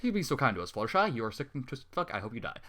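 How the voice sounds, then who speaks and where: A man's voice: medium pitch, very animated, racing, bright, forceful tone. A sneering, cruel pegasus stallion from a storybook, as a man reads him. There is little acting, and the voice stays near plain narration.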